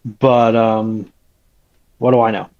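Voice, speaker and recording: A man's voice: lowish voice, flat delivery, slow, dull audio. A man chatting casually as a panellist in a history discussion.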